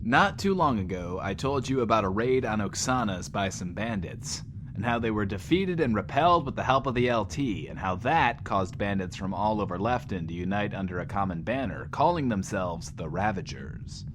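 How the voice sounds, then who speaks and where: An actor playing a flamboyant, self-absorbed young radio DJ in a post-apocalyptic audio drama, with a showy, hammy delivery. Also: male voice, lowish voice, lively intonation, moderate pace, noisy background, natural voice. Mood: grave newsreading. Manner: showy, hammy, talks about himself in third person, dramatic swings. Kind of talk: in-world radio show monologue in audio drama.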